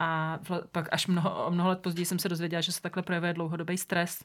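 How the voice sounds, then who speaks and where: A woman's fairly low, monotone, flat voice at a very fast pace, on a very clean recording with a silent background. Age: 40s. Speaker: parenting project author, mother. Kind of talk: interview. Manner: hesitant, filler-heavy.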